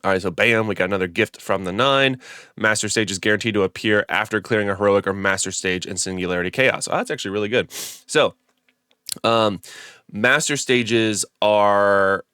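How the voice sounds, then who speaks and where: A man's voice: lowish voice, moderate pace, sharp tone, clean tone, no room sound, clean studio sound. Congested, nasal man explaining a game. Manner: chatty and rambling, many fillers and self-corrections. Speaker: gaming video creator. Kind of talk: casual game guide commentary.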